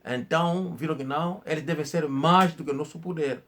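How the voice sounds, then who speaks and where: Um homem que conta história num tom informal, falando de forma enfática, com repetições e hesitações. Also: male voice, fairly high pitch, a bit bright. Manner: slow, emphatic storytelling with hesitations and repetitions. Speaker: channel host. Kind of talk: informal history talk.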